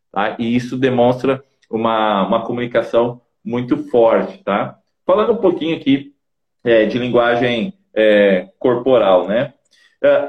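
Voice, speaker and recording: A man with a Brazilian Portuguese accent coaching on communication, in a didactic way that keeps checking in with short tags. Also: mid-range voice. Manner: didactic, peppers speech with "tá?" and "né?". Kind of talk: casual advice talk in an online interview.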